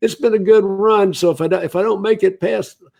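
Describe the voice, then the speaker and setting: Dark and mellow in tone, a man's voice sits at a high pitch. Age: 70s. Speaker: automotive industry consultant and speaker. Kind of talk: casual interview chat.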